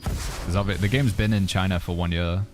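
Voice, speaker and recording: A man streaming a game, reading viewer questions aloud and musing through his answers in a relaxed, casual way. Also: deep voice, normal speed, over music. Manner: relaxed, reads viewer questions aloud and muses with hedging asides. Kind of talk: casual livestream chat while playing.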